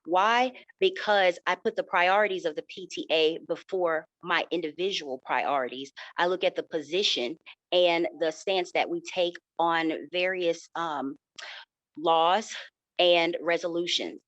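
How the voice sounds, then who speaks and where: A woman answering candidate questions in a formal, measured way, repeating set phrases. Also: on the low side, fairly bright tone, dry recording, highs cut off. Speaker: board candidate.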